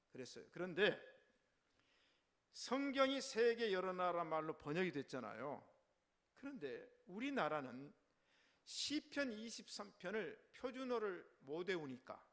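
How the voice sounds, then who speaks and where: Casting: male preacher, sermon voice, fairly high pitch, playful and conversational. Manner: lively and conversational, teasing the congregation. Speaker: pastor. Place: church sanctuary.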